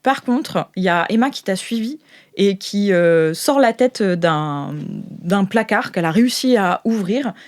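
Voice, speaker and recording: A woman's voice: mid-range voice, animated, measured pace. A woman narrating an improvised tabletop game as game master, in an informal, descriptive and hesitant way.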